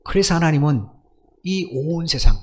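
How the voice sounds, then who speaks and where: A man's voice: fairly high pitch, lively intonation, normal speed. A male pastor preaching a Sunday sermon, emphatic, asking the congregation rhetorical questions.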